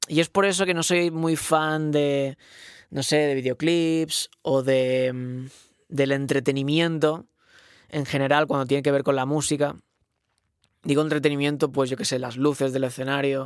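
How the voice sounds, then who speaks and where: The voice moves at a fairly slow pace with fairly even intonation. The recording is very clean, with a silent background. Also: man, fairly high pitch for a man. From Ibiza. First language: Catalan (Ibicenco dialect) (speaking Spanish). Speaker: podcaster and musician. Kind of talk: solo casual monologue. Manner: halting, many filler sounds.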